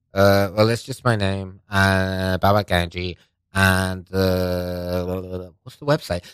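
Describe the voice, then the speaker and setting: Speaking with a London accent at a very slow pace, a man with a very deep, low pitch keeps his intonation fairly even while his loudness swings widely, all on a very clean recording with a silent background. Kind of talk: casual interview chat. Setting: radio studio.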